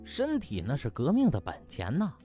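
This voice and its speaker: A man's voice: mid-range voice, wildly swooping pitch, moderate pace, dark tone, soft background music. A man voicing a cocky young doctor in an audiobook, wordy and theatrical, feigning fawning concern to mock someone.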